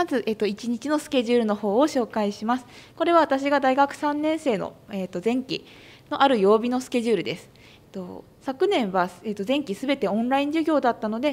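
High-pitched and lively in her intonation, a woman speaks at a fairly quick pace. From Japan, outside Yamagata. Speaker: university student. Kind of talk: presentation. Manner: halting, many fillers.

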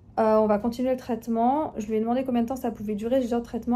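Fairly high in pitch, a woman speaks with a dark, mellow tone. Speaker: vlogger undergoing chemotherapy; vlogger. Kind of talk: casual vlog to camera. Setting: outdoors. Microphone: phone near.

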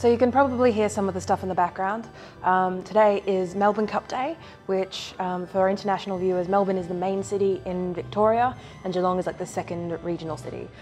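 Faint music can be heard in the background. Over it, a woman speaks at a fairly quick pace. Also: fairly even intonation. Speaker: small business video coach. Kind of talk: casual vlog chat. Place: street. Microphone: phone near.

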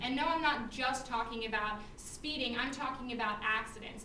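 A woman's raised, projected voice at a moderate pace, with audible room echo and light background noise. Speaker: debater. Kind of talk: competitive debate speech. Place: classroom. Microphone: camera far.

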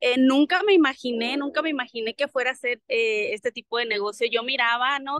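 At a moderate pace, a woman with a high pitch speaks in fairly even intonation, the sound dry and close with no echo. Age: 30s. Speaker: direct-sales entrepreneur and homemaker. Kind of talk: personal testimony. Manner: halting, many fillers and repetitions.

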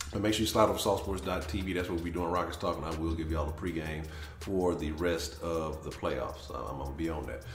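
Amid audible room echo and faint music in the background, a man talks very fast in a very deep, low pitch with monotone, flat intonation. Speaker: sports show host. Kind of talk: casual sports commentary.

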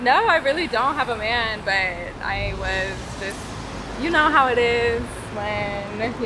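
Noticeable background noise and audible room echo surround a woman speaking with an American accent. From Houston, Texas. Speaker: passerby. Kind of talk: casual street chat.

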